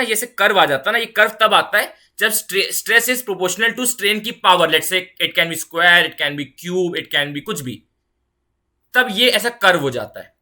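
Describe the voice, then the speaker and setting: A woman's voice: on the low side, pushed and bright. A woman physics teacher giving an online exam-prep lecture, repeating key phrases and checking in often. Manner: repeats key phrases, mixes English terms into fast explanation; reassuring, checks in with "ठीक है".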